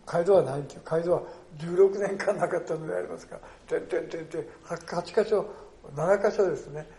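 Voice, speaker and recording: An older male pastor preaches in a somewhat high but mellow, gravelly voice. His delivery is earnest and storytelling, with small emphatic fillers throughout. The sound carries the echo of a church hall. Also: brisk. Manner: earnest storytelling, peppers phrases with "desune". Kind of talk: sermon.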